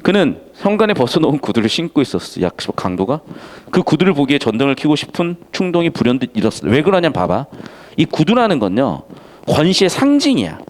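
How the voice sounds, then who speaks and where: A man teaching a literature class in a casual, lively way, acting out the characters' lines as he explains the story. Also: fairly high pitch. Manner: casual, animated, acts out characters' lines in quick asides.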